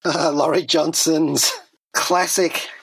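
A man's voice: a little high, fairly even intonation, slow, creaky, a bit bright, breathy edge, no echo, low-quality recording. A man hosting a pop culture radio show in a chatty, wordy way, with whimsical turns of phrase and wry asides. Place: dry radio studio.

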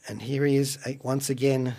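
A man hosting a radio show, chatting about pop culture in a wry, playful way with theatrical asides and deliberate phrasing. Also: medium pitch, steady tone, dark tone. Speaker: radio show host and reviewer. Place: radio studio.

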